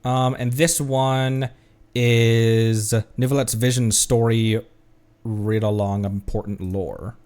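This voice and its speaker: A man's voice: mid-range voice, little pitch movement, slow pace, darkish tone, smooth. A man streaming a game with casual, musing commentary, often repeating phrases as he works through his thoughts.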